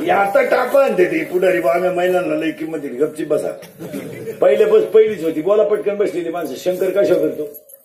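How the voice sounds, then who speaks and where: Against noticeable background noise, a man speaks in a high voice with lively intonation. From Maharashtra, India. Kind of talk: comedy kirtan sermon to a live audience. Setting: live gathering with audience and microphone. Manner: humorous, punchy, preachy with jokes and audience interaction.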